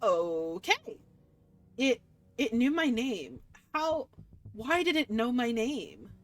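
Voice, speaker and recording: A woman's voice: on the high side, sing-song, takes it slowly. Woman reading as a bewildered, insistent mortal. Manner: insistent, questioning. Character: wounded, bewildered, questioning human lost in limbo. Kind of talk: reading visual novel dialogue aloud.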